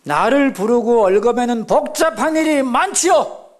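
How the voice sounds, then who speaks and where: A middle-aged man preaching in a church with a fairly high voice. He swings from loud, ringing exclamations down to hushed near-whispers. He keeps putting questions to the congregation as he goes. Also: animated, measured pace. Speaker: pastor. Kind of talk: sermon. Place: church sanctuary.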